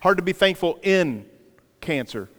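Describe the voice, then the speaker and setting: A man preaching a sermon, leading the congregation in repeating verses, with playful asides and a lively, varied delivery. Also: high voice, a little slow. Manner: playful asides and light humor. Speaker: pastor. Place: church sanctuary. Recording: long hall reverb from a church.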